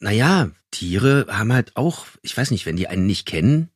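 Man, podcast co-host, animated pitch, husky, joking, self-deprecating, dry sound. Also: normal speed, no echo. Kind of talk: casual podcast chat.

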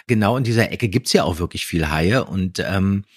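A man's voice: low-pitched, lively intonation, moderate pace, slightly rough, no room sound, clean studio sound. A man co-hosting a podcast, a voice actor chatting casually and laughing as he recalls recording a radio play.

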